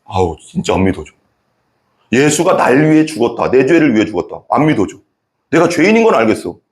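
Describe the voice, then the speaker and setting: A male pastor preaching a sermon, telling his own testimony with animated storytelling and acting out the people in it. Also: mid-range voice, a little fast.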